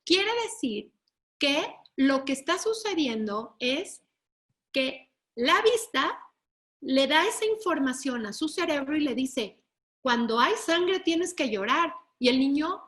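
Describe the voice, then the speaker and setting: Lady teaching a webinar, high voice, keeps asking if everyone's following. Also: fairly bright tone. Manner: explanatory, asks the audience "¿sí?" to check understanding; acts out children and parents in raised voices. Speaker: lecturer. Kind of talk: webinar lecture.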